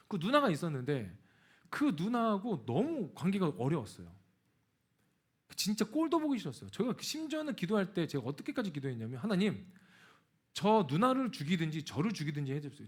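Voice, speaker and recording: Animated male pastor preaching a sermon. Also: sits high, slightly rough. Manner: animated, acts out quoted dialogue. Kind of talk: sermon with personal story. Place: church sanctuary.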